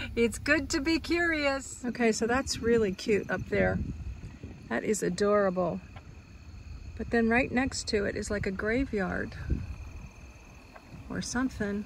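The speech moves at a fairly slow pace with long, frequent pauses. The sound is dry with no echo, over light background noise. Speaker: car-living vlogger. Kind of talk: casual vlog chat. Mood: curious, delighted by deer. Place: car. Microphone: phone near.

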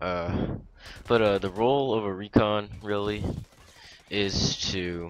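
A man is heard in a dry recording with no echo. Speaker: gamer. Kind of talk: gameplay commentary. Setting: close mic, mic eating. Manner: monotone. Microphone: headset.

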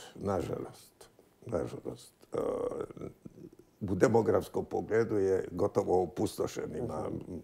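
A man speaks at a very slow pace, his loudness swinging widely. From Croatia. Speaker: retired journalist. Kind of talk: interview. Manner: halting. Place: studio. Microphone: lapel.

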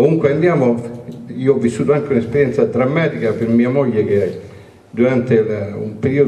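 Audible room echo surrounds a man speaking at a fairly quick pace and medium pitch, with ordinary pitch variation. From Calabria, Italy. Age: 70s. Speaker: farmer and cooperative president; guest. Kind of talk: audience intervention at public event. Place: meeting room. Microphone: handheld.

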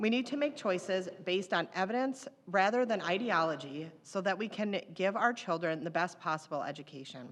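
Speaking at a moderate pace with lively intonation, a woman with an American accent has an unremarkable speaking voice in a medium pitch. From Minnesota, Washington County. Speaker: school board member. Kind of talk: candidate forum statement.

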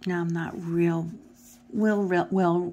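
A woman speaks with an American accent in a fairly low pitch. Her tone is dark and mellow, and her intonation stays fairly even. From Philadelphia area, US. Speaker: tarot reader and YouTuber. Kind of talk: casual solo video run-through of a deck. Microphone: phone near.

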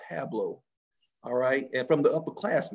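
The man speaks fairly quickly, with the background staying quiet. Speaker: former college football player, ministry director; interview host. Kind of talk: interview. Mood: warm and admiring. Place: home room. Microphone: video call.

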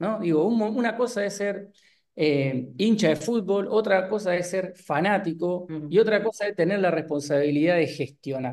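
A man's voice, high in pitch, comes through against a quiet background. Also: ordinary pitch variation, moderate pace. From Argentina, Santa Fe province. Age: 40s. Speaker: mayor. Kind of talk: radio interview. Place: office. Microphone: video call.

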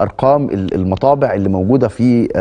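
Against a quiet background, a man with a Cairo accent speaks in a dark, mellow tone. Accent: Egyptian Arabic (Cairene). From Egypt. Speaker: TV presenter. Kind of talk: TV talk show address to viewers. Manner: conversational, repetitive. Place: studio.

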